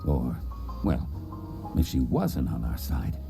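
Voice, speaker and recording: A man's voice: extremely low pitch, big pitch swings, slow, creaky, exaggerated voice. A man voicing a hard-boiled, melodramatic cartoon detective in noir parody narration. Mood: brooding. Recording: music behind the voice.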